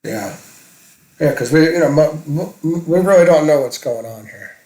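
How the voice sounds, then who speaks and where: A man's voice: on the high side, animated, normal speed, mellow, poor audio. A man in casual discussion, hesitant and groping for his words as he puts questions and thoughts across. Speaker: conversation partner asking questions.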